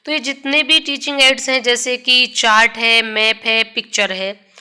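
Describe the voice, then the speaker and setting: Bright-voiced woman teaching exam prep. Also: a little high, fairly even intonation, clean tone. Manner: explains step by step, reads questions slowly.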